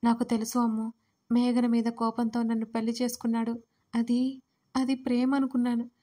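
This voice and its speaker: A woman's voice: fairly high pitch, completely flat delivery, warm tone, natural voice. A woman reading as a tearful young wife. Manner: halting, stammering speech. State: crying. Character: young woman sobbing over her husband.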